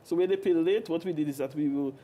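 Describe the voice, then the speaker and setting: Mellow-voiced Dominican woman explaining. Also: sits low, fast talker, muffled recording. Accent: Dominican (Caribbean). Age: middle-aged. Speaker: guest, social security official. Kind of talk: formal interview answers. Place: office, indoors. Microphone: lapel.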